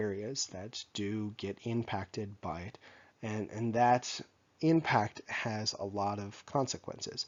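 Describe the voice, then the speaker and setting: A man's plain, everyday voice, fairly low, with fairly even intonation. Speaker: college lecturer. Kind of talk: lecture.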